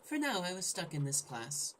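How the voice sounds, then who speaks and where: A woman's voice: fairly low pitch, very animated, moderate pace, a bit bright. A woman hosting a gaming video, playfully reading the script aloud and commenting with irreverent, sudden exclamations. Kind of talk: let's play commentary, joking read-aloud narration.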